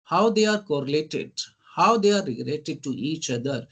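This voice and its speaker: A man with an Indian English accent, giving an online teaching lecture. He keeps asking "right?" and often says "ladies and gentlemen.". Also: on the high side, expressive, moderate pace, breathy edge. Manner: lists terms in emphatic bursts. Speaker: guest lecturer.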